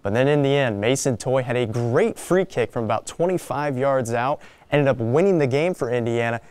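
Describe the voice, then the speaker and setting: A young man delivers a sports report in a smooth, clear voice. The sound is dry, with very little room in it, and his delivery follows a prepared recap style. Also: medium pitch, animated, moderate pace, darkish tone, dry recording. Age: young adult.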